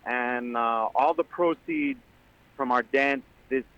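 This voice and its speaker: A man from Greece calling in to a radio show, talking earnestly with many pauses. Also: mid-range voice, wildly swooping pitch, creaky, fairly bright tone. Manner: earnest, with many ums, speeds up when joking. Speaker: caller. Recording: dull lo-fi phone line.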